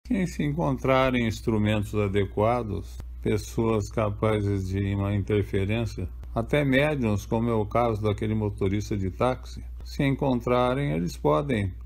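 An older man with a Brazilian Portuguese accent, an author answering interview questions calmly and explaining at a measured pace. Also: lowish voice, vocal fry.

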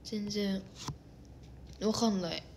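A woman, chatting casually on an idol livestream, excitable and quick to laugh. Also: mid-range voice, noisy background. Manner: giggly, excitable, breaks into laughter. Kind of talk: casual chat.

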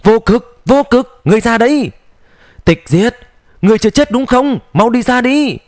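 A man voicing a grieving immortal hero who shouts with a trembling voice into an empty void. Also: sits high, expressive, normal speed, dry recording, studio quality. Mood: anguished calling.

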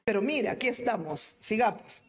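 A woman evangelist preaching a sermon, swinging between fervent shouting and soft, prayerful murmurs. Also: a little high, lively intonation, normal speed. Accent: Latin American Spanish.

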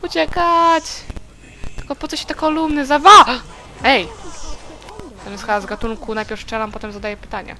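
A woman chatting casually and giggling as she plays through a video game, now and then letting out shrill shrieks. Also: fairly even intonation, normal speed, pauses often, pushed and bright, low-quality recording. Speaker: let's play gamer. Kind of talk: casual gameplay commentary.

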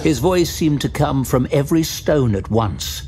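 A man's voice: medium pitch, animated, a little slow, a little mellow, a little hiss or hum. A man giving a dramatic scripted narration of a fantasy story. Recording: music behind the narration.

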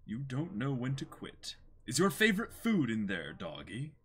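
A man voicing a menacing manga pirate villain who speaks with slow scorn. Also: mid-range voice, wildly swooping pitch, fairly bright tone, husky, heavily acted.

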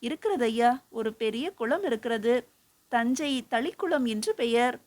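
A woman's voice: fairly high pitch, animated, measured pace, a little mellow. A woman voicing a young male scholar who speaks with earnest, respectful humility.

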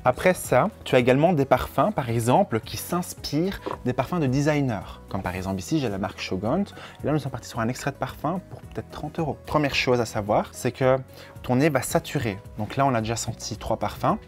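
A man's voice: medium pitch, animated, brisk. A young man with a Belgian French accent explains things earnestly, leaning on stock phrases. He speaks as an invited expert at a table in a small room, with faint music in the background. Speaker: perfume expert guest. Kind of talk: explanatory chat.

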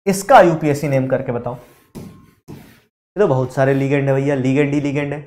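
A man teaching chemistry in a live online lecture, animated, quizzing his students and mixing in English terms. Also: medium pitch, moderate pace, reverberant. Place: studio classroom.

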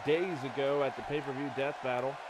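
A man giving excited play-by-play commentary over a wrestling video game, breaking into exclamations as the moves land. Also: medium pitch, a little fast, over a noisy crowd. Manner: excited exclamations, rising with the action. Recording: noisy game audio behind.

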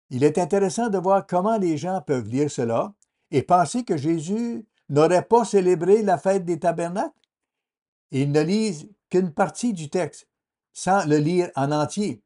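A man giving a translated sermon as a voice-over in a measured, earnest preaching manner. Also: fairly high pitch, dark tone.

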